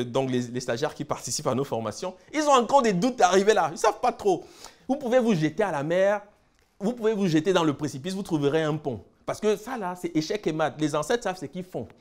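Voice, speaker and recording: A man from Cameroon giving a lecture, listing words slowly and then explaining them with emphasis. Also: sits high, animated. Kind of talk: lecture on word roots.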